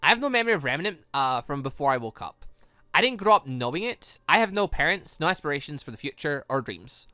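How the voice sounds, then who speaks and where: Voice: medium pitch, very animated, fast, pushed and bright, no room sound. A gaming host voicing an earnest, defiant young male student who speaks plainly. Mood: earnest, wistful.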